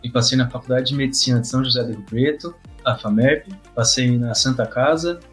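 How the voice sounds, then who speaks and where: A man's voice: mid-range voice, fairly quick, fairly bright tone, soft background music. A young man from São Paulo state giving a brief self-introduction as an approved medical student. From São Paulo state, Brazil. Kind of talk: short testimonial.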